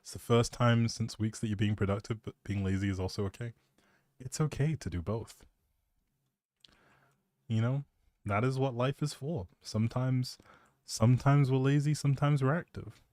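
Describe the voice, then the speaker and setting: A man's voice: mid-range voice, normal speed, pauses often, darkish tone, no echo, clean studio sound. A man live streaming, chatting casually in an appreciative, rambling way and thinking aloud as he goes.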